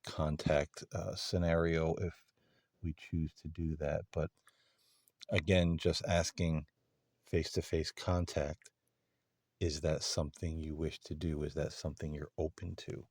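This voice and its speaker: A man hosting a paranormal session, putting questions to unseen beings in a halting, deliberate way with long pauses. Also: extremely low pitch, little pitch movement, a little mellow, no echo, clean studio sound. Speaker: host of a paranormal contact session.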